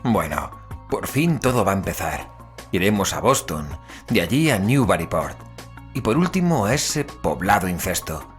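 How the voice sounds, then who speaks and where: An actor playing a jittery, irreverent young investigator who grumbles expressively in an audio drama. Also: male voice, low-pitched, sing-song, normal speed, faint music behind. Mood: uneasy musing.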